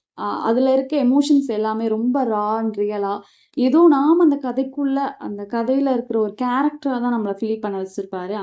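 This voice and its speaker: High-pitched female voice, its pitch varying in an ordinary way. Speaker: book reviewer. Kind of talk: book review talk.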